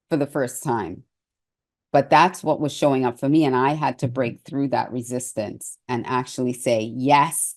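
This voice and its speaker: A woman's voice: rumbling low, darkish tone. A middle-aged woman giving an earnest, conversational motivational talk as a success coach, with hesitant restarts.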